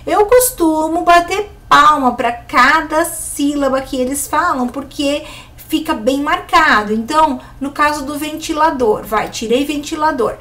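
Animated Brazilian woman teaching teachers. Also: unhurried. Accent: Brazilian Portuguese. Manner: clear explanatory pace with lively pitch swings. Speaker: teacher giving an online course. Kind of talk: instructional lesson for educators.

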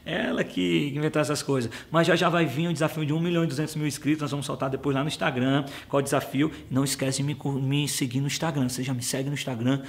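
A man doing a comic monologue about married life to camera, animated and jokey. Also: on the high side, fast, few pauses. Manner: animated, jokey, exaggerated complaining. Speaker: co-host of a couples channel.

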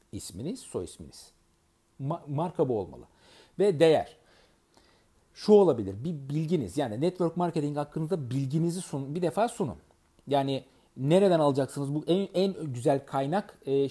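A man with a mellow, warm voice speaks to his audience as a network marketing trainer. He talks in an earnest, advising way at a middle pitch. He often pauses with fillers and starts words over. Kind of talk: advice monologue to an audience.

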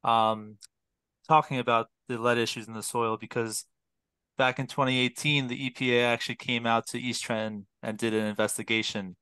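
A man's voice: mid-range voice, flat delivery, normal speed, sharp tone, clear, resonant tone, no echo. A young man explaining research in detail on a video call, with frequent fillers and restarts. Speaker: public health PhD student, guest. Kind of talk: explanatory interview talk. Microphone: headset on video call.

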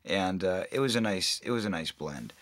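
A man, an actor looking back on making a film in a relaxed interview, chatty and quick to laugh, acting out what others said. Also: low voice, a little hiss or hum. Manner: chatty, laughs often, acts out quoted people.

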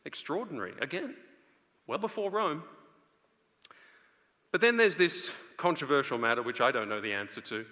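Bright-voiced male preacher in a reverberant hall. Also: medium pitch. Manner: emphatic, explanatory, with rhetorical questions. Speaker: preacher, conference speaker. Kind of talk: expository Bible lecture to a live audience. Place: stage of a large auditorium.

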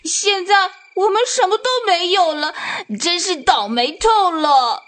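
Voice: very high voice, measured pace, fairly bright tone. An actor voicing a small anxious animal with a plaintive, exclamatory manner in a children's radio drama. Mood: cold, miserable.

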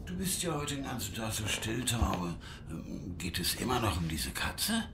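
A man's voice: on the low side, big pitch swings, normal speed. A man playing a grumbling elderly husband and grandfather in an audio drama. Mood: teasing, muttering. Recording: clear background ambience noise.

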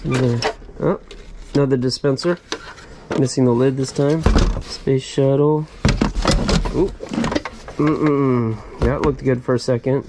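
A middle-aged man, a storage unit reseller, chatting casually through an unboxing, bursting into excited exclamations over his finds, recorded on a head-mounted camera in a storage unit. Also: mid-range voice, slow pace, long pauses, noisy background. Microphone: head-mounted action camera.

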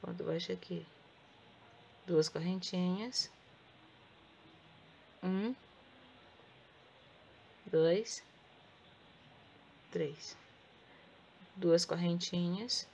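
A woman with a Brazilian Portuguese accent teaching crochet step by step. She speaks softly with a sore throat and counts stitches aloud. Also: lowish voice, steady tone, drawn-out words, vocal fry, pauses often, a little hiss or hum. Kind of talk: step-by-step craft tutorial.

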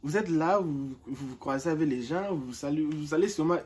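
A young man talks straight to his audience in a casual vlog, telling stories with lively energy. His voice is warm and mellow with a husky edge, and he often doubles back over his words as he speaks. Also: a little high, a little fast. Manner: animated storytelling, repeats words as he searches for them. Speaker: vlogger. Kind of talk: casual vlog talk to camera.

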